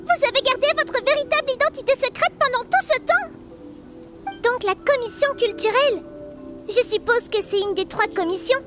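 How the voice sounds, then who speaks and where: Game dub: tiny cheeky fairy girl, extremely high squeaky voice, bubbly and exclamatory, music underneath. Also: normal speed. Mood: curious. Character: tiny childlike female fairy companion, excitable and cheeky. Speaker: amateur voice actor dubbing a game character. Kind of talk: scripted game dialogue dub.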